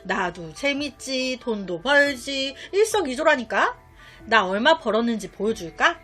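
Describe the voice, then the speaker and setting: A woman's voice: fairly high pitch, expressive, measured pace, sharp tone, soft background music, heavily acted. A woman voicing a brazen delinquent teenage girl who coaxes a friend, boastful and pushy, in a storytold crime tale. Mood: coaxing. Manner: coaxing, boastful.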